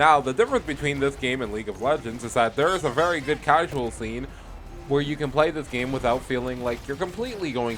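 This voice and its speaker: Words come at a very fast pace while noticeable background noise fills the clip. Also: man. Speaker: gaming video creator. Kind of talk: casual commentary. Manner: slurring words; energetic.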